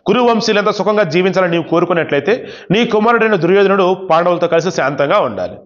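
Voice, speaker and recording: A man with a high, light voice tells an old devotional epic, reading a passage and then breaking it down in casual spoken terms. The recording is dull and lo-fi. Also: animated, fast talker. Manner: reads verses then explains them in everyday speech. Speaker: devotional storyteller. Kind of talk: retelling an epic with casual commentary.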